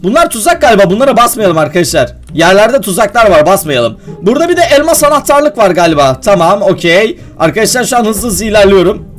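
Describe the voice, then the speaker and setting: A young man playing a video game and commenting to his viewers, excitable and quick to get worked up when the game goes wrong. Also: sits high, soft background music. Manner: excitable, addresses viewers as friends, gets worked up at traps. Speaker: gaming YouTuber.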